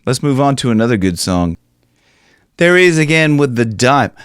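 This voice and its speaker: A man's voice: mid-range voice, very animated, normal speed, dry recording, clean studio sound. A man in his forties from Ohio, teaching a singing lesson in a chatty, loose way and now and then singing lines to demonstrate. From Ohio, USA. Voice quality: raspy in his upper singing range. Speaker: vocal coach. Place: small room with a dark curtain behind. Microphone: studio microphone on a stand, headphones on.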